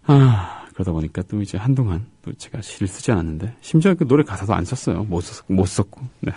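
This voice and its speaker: Low husky halting male radio host. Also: animated, dark tone, dry recording. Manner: halting, with gaps between words and syllables. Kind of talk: casual radio talk reading listener comments.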